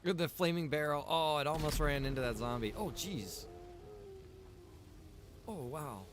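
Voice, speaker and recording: A man's voice: on the high side, normal speed, over music. A man giving casual, chatty commentary while he plays a game, thinking aloud in a laid-back way. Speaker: game streamer. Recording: clear background noise.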